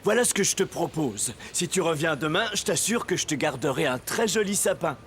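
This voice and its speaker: An actor playing a friendly, obliging Christmas tree seller in a children's cartoon, with outdoor ambience behind. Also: male voice, fairly high pitch, expressive, a little fast, natural voice.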